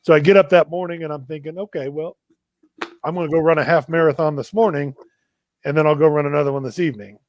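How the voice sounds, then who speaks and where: A man hosting a live video chat, telling a story in a relaxed, self-deprecating way. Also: a little high, fast talker, muffled recording. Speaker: running coach and show host.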